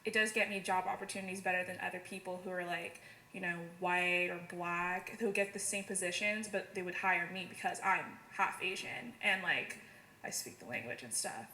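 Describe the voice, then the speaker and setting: A young woman in a casual panel discussion, talking quickly with fillers. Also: on the low side, pushed and bright, roomy sound, a little hiss or hum, low-quality recording. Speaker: panel guest.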